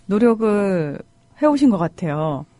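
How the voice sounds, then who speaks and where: A young woman announcer hosting a talk show, asking questions in a lively, friendly way. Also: medium pitch, measured pace, background noise. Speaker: announcer and host. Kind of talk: studio talk show interview.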